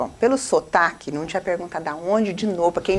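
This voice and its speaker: A woman at medium pitch and a fairly quick pace, amid noticeable background noise. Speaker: TV health show host. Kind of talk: TV talk show interview.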